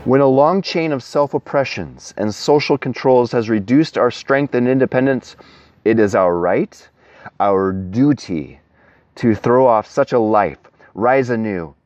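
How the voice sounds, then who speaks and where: A man reading a scripted inspirational manifesto aloud. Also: dry recording. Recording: dull, dry low-fidelity sound.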